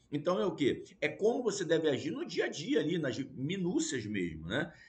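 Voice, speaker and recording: Noticeable background noise behind a man's high voice. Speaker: law professor and notary. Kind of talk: recorded online lecture. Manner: fast.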